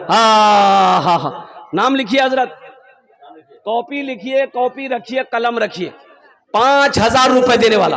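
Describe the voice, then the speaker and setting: A man preaching a rousing Muslim sermon in a booming political-rally manner, calling on his listeners to respond, through a stage microphone. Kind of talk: rousing sermon oratory to a crowd. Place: large religious gathering. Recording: echoing PA system before a crowd.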